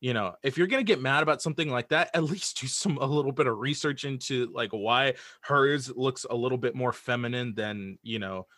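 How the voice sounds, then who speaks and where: A man chatting casually as an interview guest, speaking in an animated way and often stammering and restarting his phrases. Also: medium pitch, a little fast, hardly any pauses, dry recording, studio quality. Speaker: audio drama creator and writer, interview guest.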